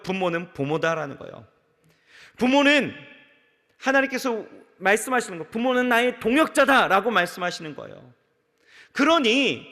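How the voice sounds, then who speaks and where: Preaching to his congregation in a large, reverberant church sanctuary, a pastor addresses them directly with animated energy. His voice sits high, and he acts out the voices of the people in his stories.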